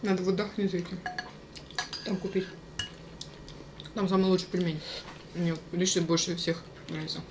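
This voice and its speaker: A woman's voice: lowish voice, steady tone, moderate pace, pauses often. A woman hosting a mukbang, chatting casually and teasingly while talking with her mouth full. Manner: chatty, teasing, talks between bites. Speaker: mukbang host. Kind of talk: casual chat while eating. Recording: noisy home recording with clattering dishes.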